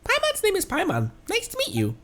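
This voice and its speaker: A man reading game dialogue as a small, chirpy, eager girl companion in a squeaky childlike voice. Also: huge pitch swings, brisk, heavily acted. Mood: friendly. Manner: bright-spirited, squeaky, childlike.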